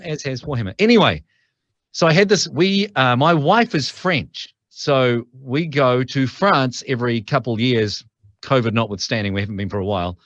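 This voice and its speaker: A man's voice: medium pitch, moderate pace, a bit bright, dry recording, muffled recording. A middle-aged man with a New Zealand accent, a podcast guest telling stories in a chatty way with frequent restarts. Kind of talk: casual interview chat.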